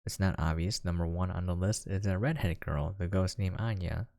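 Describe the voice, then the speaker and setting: A man's voice: deep voice, fairly even intonation, normal speed, creaky, background noise. A man giving casual, musing gameplay commentary and reading visual novel text aloud. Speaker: game preview commentator.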